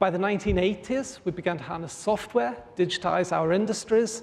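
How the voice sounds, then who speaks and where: Speaking with an English accent at a moderate pace, a man uses a high pitch with ordinary pitch variation. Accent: English accent, noticeable. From northern England. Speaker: panel moderator. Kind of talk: panel introduction speech.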